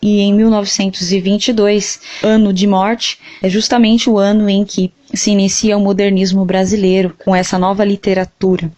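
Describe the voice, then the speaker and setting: A woman's voice: mid-range voice, little pitch movement, moderate pace, hardly any pauses, a little mellow. A woman with a Brazilian accent giving a prepared explanation as a literature teacher and interview guest. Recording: dull, lo-fi band-limited sound.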